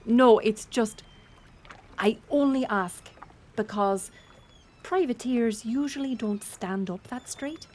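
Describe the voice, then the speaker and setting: A woman's voice: a little high, slow, pauses often, darkish tone. A woman playing a bold, teasing pirate smuggler captain in an audio roleplay, playful and sardonic in manner. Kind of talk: intimate audio roleplay storytelling.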